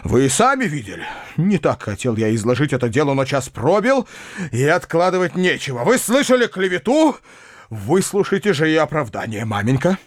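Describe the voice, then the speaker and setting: A man's voice: on the high side, expressive, normal speed, dry recording, studio quality, pitched above the performer's own voice. A man voicing an agitated middle-aged nobleman who pleads earnestly with his mother. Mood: solemn. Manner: earnest, urgent declaiming.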